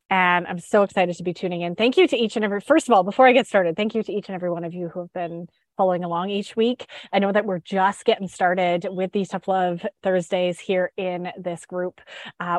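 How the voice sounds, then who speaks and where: An upbeat podcast host and sugar freedom coach chats in a casual live stream, full of fillers and restarts. She's stuffed up with a head cold, her voice sits in the mid range, and the recording is dry.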